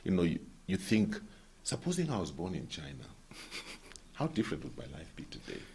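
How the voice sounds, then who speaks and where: A man with a Kenyan accent hosting a talk show, telling stories and asking questions in a lively way. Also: low voice, normal speed, creaky, a little hiss or hum. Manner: animated storyteller who poses questions. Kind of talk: casual talk-show discussion.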